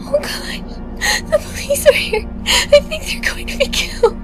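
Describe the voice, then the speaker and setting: A woman playing a hysterical young babysitter in a horror audio drama, tearful, panicked and pleading. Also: normal speed. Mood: terrified whimpering. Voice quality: shrill, tearful. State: crying. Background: music.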